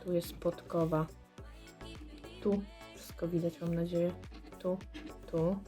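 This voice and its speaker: A hoarse woman calmly commenting while she scratches lottery cards and checks the symbols. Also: fairly low pitch, faint music behind. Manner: slow, murmured checking of symbols. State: hoarse, clearing throat. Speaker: scratch card vlogger.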